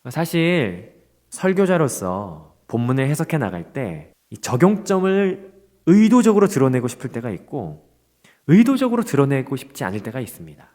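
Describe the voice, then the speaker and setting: A male pastor preaching a dawn prayer sermon, expressive and asking the congregation rhetorical questions. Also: mid-range voice, normal speed.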